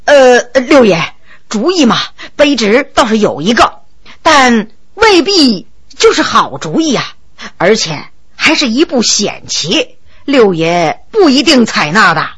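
A woman voicing a bold, blunt low-ranking male county magistrate who talks in a cool, sly, deliberate way. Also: very animated, fairly bright tone, husky, heavily acted. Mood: flustered.

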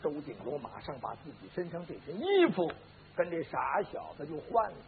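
A man's voice: a little high, big pitch swings, moderate pace. A male storyteller narrating a traditional tale vividly and dramatically, with his own sound effects, on a lo-fi recording. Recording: lo-fi phone-like band with faint hiss.

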